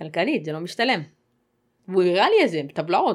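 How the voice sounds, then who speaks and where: A woman speaks with lively intonation at a fairly quick pace. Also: very clean recording, silent background. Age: 30s. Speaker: abuse survivor. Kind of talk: testimony.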